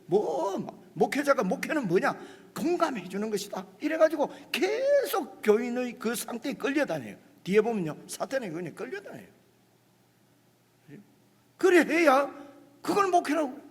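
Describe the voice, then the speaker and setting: A man preaches in a chatty, animated way, often turning to the congregation for agreement. His voice sits high and swings widely in pitch, with a husky edge. A long reverb trails his words through the church. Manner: animated, conversational preaching with rhetorical asides to the congregation. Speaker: pastor. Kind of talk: sermon. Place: church sanctuary.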